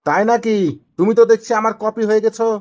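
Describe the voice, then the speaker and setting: A man's voice: high-pitched, steady tone, quick pace, a little mellow, natural voice. Wily village father-in-law played by a man, Rajshahi Bengali accent, teasing and questioning, for cartoon comedy. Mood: indignant banter. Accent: Rajshahi Bangladeshi Bengali. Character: wily, bantering village father-in-law who tests people. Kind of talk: amateur cartoon comedy dialogue.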